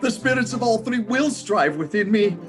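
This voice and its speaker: An actor playing an old miser, repentant and pleading, in theatrical, emotional radio drama style. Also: male voice, high voice, expressive, moderate pace, fairly bright tone, soft background music. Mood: joyful relief.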